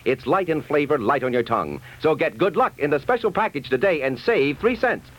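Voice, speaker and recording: A man's voice: fairly high pitch, lively intonation, fairly quick, poor audio. An American man reading scripted 1950s radio commercials as a polished, emphatic announcer. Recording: 1950s radio broadcast recording.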